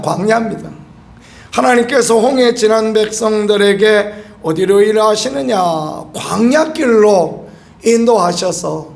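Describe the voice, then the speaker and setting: A man's voice: sits high, vocal fry. A middle-aged man preaching a sermon as a pastor, asking the congregation rhetorical questions and bursting into emphatic exclamations. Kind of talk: early-morning sermon. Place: church sanctuary.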